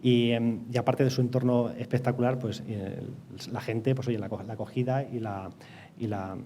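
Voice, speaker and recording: A man with a Castilian Spanish accent speaks in a mellow, mid-pitched voice. He explains things as an interview guest, hesitating and repeating words. There is light ambient noise behind him. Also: fairly even intonation, normal speed. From Castilla-La Mancha, Spain. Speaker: interview guest, energy company project director.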